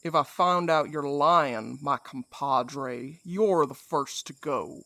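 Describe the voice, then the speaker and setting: A man's voice: on the high side, takes it slowly, creaky, bright, forceful tone, dry recording, heavily acted. A man playing a menacing, mock-courteous supernatural villain in an audio drama. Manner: drawling, theatrical, mock-polite. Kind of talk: audio fiction drama acting.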